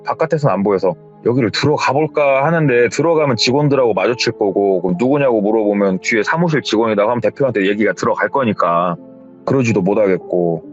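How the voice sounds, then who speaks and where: A man retelling a scary story in a casual, lively way, full of acted-out quotes, in a slightly dull recording with faint music behind. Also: fairly low pitch, quick pace. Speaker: horror story narrator.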